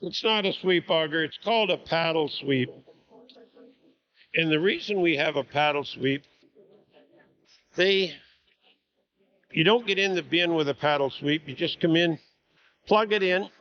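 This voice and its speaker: Slow, quiet man echoing inside a grain bin. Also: on the high side, dull audio. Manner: talks quietly and unhurriedly, with fillers. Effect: echoey voice inside a large metal grain bin. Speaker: farmer showing a grain bin build. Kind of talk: casual video walkthrough. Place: inside a large empty metal grain bin.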